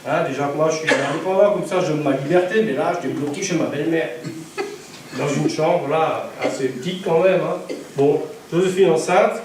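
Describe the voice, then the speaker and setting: A high-voiced male evangelist preaches to his congregation, telling his story with laughter and acted-out voices. He sounds far from the microphone in a very echoey church hall, with faint noise behind him. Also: moderate pace. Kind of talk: sermon with personal testimony.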